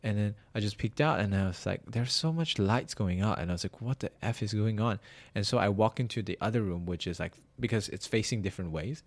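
A young man from Malaysia telling a story in casual chat, animated and full of "like", with bursts of loud laughter. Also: on the low side, a little fast.

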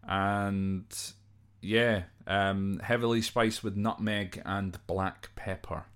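A man's voice: fairly low pitch, steady tone, slow, fairly bright tone, smooth. A Scottish man informally explaining slang from a list, off the cuff and hesitantly, sometimes spelling words out. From Scotland. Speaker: podcast host.

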